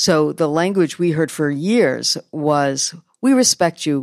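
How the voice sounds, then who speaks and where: A woman speaks with a very deep, low pitch and ordinary pitch variation. The sound is dry and close with no echo, in a very clean recording with a silent background. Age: 60s. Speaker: teachers' union president. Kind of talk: live panel discussion. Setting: stage with audience.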